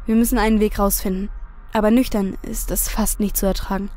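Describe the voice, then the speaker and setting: Woman acting a mellow-voiced, wary trench companion. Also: medium pitch, level tone, brisk, soft background music, close to an everyday voice. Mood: urgent. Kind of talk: audio drama acting.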